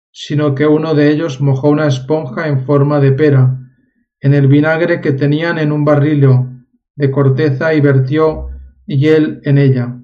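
A man leading a devotional reading and recited prayers in a solemn, reverent, measured way. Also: fairly high pitch, lo-fi sound.

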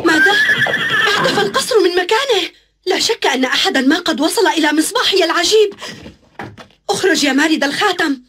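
High-pitched young boy hero. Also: animated, fast, noisy background. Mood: alarmed. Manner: earnest, commanding. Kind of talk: dubbed cartoon acting. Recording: loud music under the voice.

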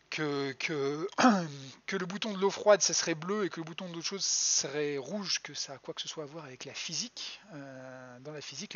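Husky-voiced man explaining astronomy live. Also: fairly high pitch, a bit bright, muffled recording. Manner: chatty, hesitant, many fillers and restarts. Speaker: planetarium science educator. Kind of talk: live-streamed astronomy lesson. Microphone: home computer mic.

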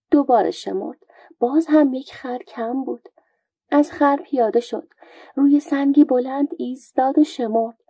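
A woman storyteller reading humorous folk tales at a calm, even pace. Her voice sits a little high yet sounds dark and mellow, with a soft husk. The recording is dry and close. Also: no echo.

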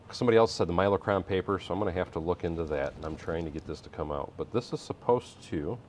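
A middle-aged man with a low voice hosts a live building stream from an indoor workshop room. He chats casually, reads viewer comments and laughs easily, with slight background noise in the recording.

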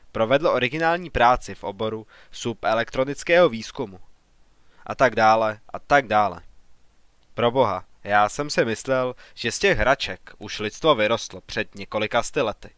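A proud older artist scoffs gruffly at his son's plans, as a man reading the story puts him on. His voice stays at a middle pitch. It is recorded close and dry. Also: fairly bright tone, no room sound, natural voice. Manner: scornful, gruff. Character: older male artist, proud, dismissive father.

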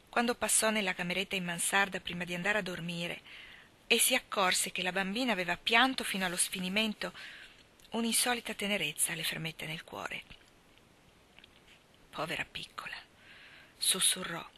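Bright-voiced woman reading a story aloud. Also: lowish voice. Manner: expressive storytelling, dropping to soft tones. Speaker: audiobook narrator. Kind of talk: audiobook reading.

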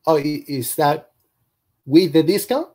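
A man's voice: a little high, a little slow, darkish tone, husky. A man reading a flustered, flamboyant young gay customer with a slight Hispanic accent over a video call.

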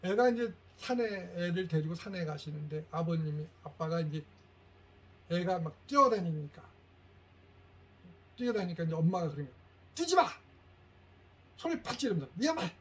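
A middle-aged man lectures a room of parents in a fairly high voice. He tells stories and acts out the lines of the people in them, with lively swings in his delivery. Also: brisk. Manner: animated storytelling, acts out quoted lines.

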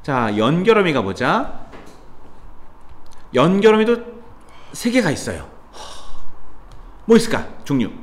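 A man teaching a grammar lesson to students in a casual, chatty way, with asides and exclamations. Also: fairly high pitch. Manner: lively, chatty teacher addressing students, sudden mutters and exclamations. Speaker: Korean language tutor. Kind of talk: classroom grammar lecture. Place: cram school classroom.

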